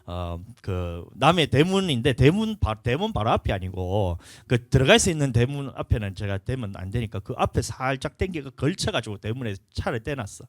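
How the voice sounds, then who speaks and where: A male pastor, telling a personal story in a lively, animated sermon. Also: medium pitch, moderate pace, hardly any pauses, no room sound, studio quality. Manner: animated storytelling, acts out a quarrel. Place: church.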